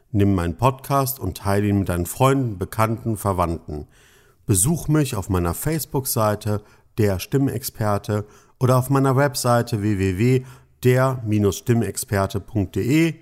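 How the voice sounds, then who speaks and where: A man hosting a voice-training podcast, speaking to the listener in a calm, encouraging way with resonant, articulate delivery. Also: fairly low pitch. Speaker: voice coach podcast host. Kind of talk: instructive podcast monologue.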